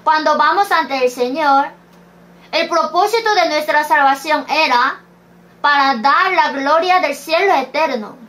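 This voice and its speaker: Slow, high-voiced woman preaching. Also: a bit bright. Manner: reads scripture verses aloud, asks rhetorical questions. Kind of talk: slow sermon.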